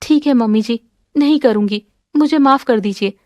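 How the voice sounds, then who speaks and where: A woman's voice: on the high side, moderate pace, a little mellow, no echo, natural voice. A woman voicing a jealous, scheming young daughter-in-law who answers back shrilly and defensively. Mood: protesting.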